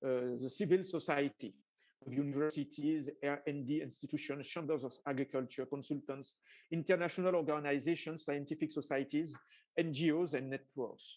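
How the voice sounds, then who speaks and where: A man in a French accent speaks at a moderate pace and fairly high pitch, his intonation fairly even, on a very clean recording with a silent background. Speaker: research project presenter. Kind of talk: conference presentation. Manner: halting, with many fillers.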